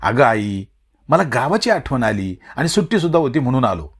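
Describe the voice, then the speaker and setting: A man's voice: mid-range voice, very animated, moderate pace, breathy edge. A male narrator voicing a grown son home from the city, blunt and defiant with his mother. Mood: reassuring. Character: grown son back from the city, restless and resentful.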